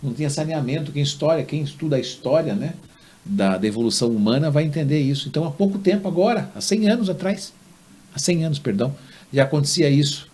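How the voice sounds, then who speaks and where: A man hosting a podcast interview, telling stories in an animated way and letting his voice drop low at the ends of stories. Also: fast, slightly rough. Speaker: podcast host. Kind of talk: conversational interview.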